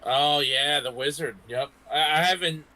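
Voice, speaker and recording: A man's voice: a little high, moderate pace, bright, forceful tone. A man on a podcast panel, chatting casually with the others. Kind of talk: casual chat.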